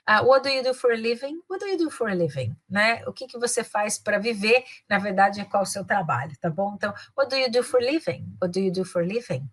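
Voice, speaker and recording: A Brazilian woman teaches English in a relaxed, talkative way, mixing English phrases into her Portuguese. Her voice sits at a middle pitch, and she keeps checking in with her listeners through short tag questions. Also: a little fast, few pauses. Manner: chatty, switches often into English, frequent tag questions. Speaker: English and career coach. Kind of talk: casual online English lesson.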